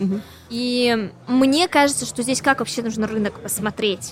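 At a fairly slow pace, the speaker shows ordinary pitch variation against noticeable background noise. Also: woman. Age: 20s. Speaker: startup founder. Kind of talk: business pitch. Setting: restaurant.

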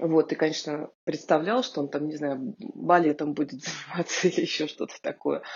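A woman speaks in a normal speaking voice. Her pace is moderate and her pitch variation is ordinary. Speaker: grandmother and mother of three. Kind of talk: recorded interview answer.

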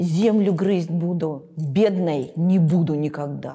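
In a room with audible echo, a woman speaks very slowly with a fairly low pitch, a dark, mellow tone and ordinary pitch variation. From Grozny, Chechnya, Russia. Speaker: English teacher and teacher trainer. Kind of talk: interview testimony.

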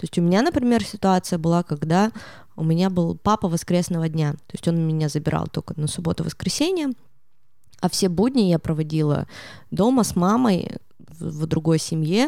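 On a very clean recording with a silent background, a woman speaks at a moderate pace in a dark, mellow tone with fairly low pitch. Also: ordinary pitch variation. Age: 30s. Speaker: podcast host. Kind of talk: casual chat.

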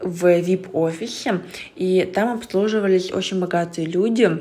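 A woman at a very slow pace and fairly even intonation, with noticeable background noise. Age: 20s. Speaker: listener sharing a story. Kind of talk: personal story.

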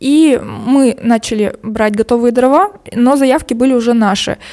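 Using a normal speaking voice, a woman talks at a fairly slow pace, her fairly high pitch showing ordinary variation. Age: 30s. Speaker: entrepreneur. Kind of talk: interview.

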